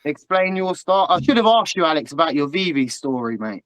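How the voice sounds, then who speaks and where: A man with a fairly high voice hosts a casual panel chat, upbeat and a little self-conscious as he introduces his guests. The sound is dry and close, with no room echo. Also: big pitch swings, a little fast, a bit bright. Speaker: channel host.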